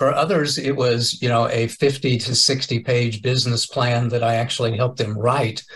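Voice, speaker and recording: This man speaks at a medium pitch in a flat monotone, his voice somewhat breathy. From US Midwest (Wichita, Kansas). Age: 70s. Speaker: business coach and author. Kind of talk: radio interview.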